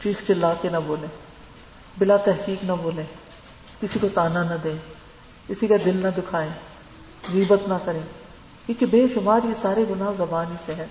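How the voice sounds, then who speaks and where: A woman's voice: lowish voice, long pauses, dark tone, a little hiss or hum. Woman teacher giving earnest religious advice, roomy hall echo, kinda dull lo-fi sound. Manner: earnest, advising, mixes in English words. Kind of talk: religious lecture.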